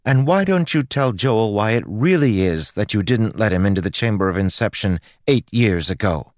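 A man voicing a stubborn, outspoken teenage girl in an audiobook, with a loud, dramatic, insistent manner. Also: medium pitch, animated, moderate pace, dry recording, voice pushed up, natural voice. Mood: indignant, loud.

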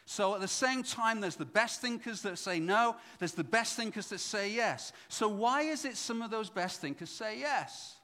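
A middle-aged man preaching a sermon as pastor, swinging from loud emphatic points to low asides. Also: lively intonation, normal speed, hardly any pauses. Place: church hall. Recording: echoey church hall.

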